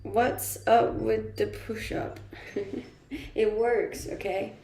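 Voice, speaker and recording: A woman's voice: a little high, little pitch movement, slow, mellow, echoey room, slight background noise. A woman from Denmark casually chatting through a morning livestream, often laughing to herself, a little stuffy-nosed. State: blocked nose from blowing it a lot. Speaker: livestreamer reading chat. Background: faint music.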